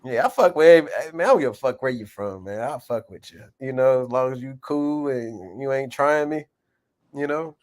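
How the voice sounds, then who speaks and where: A man from the United States tells stories with lively energy and plenty of swearing. His voice has a middle pitch and an easy, conversational flow. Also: moderate pace. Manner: animated, profane storytelling. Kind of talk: casual chat.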